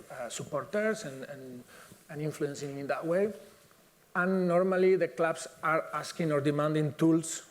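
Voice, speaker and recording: Hesitant man. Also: fairly high pitch. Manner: hesitant, many fillers and restarts. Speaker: symposium speaker. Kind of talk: conference talk.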